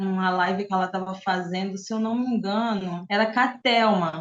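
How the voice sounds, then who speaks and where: A woman speaks in a northeastern Brazilian accent. She keeps a moderate pace with ordinary pitch variation. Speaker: confectioner, customer giving testimonial. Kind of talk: testimony. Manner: hesitant, with fillers.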